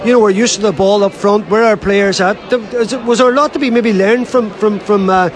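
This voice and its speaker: A man hosts a sports interview. His voice is high for a man and he moves along very quickly, putting questions and comments in a conversational way. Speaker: interviewer and host.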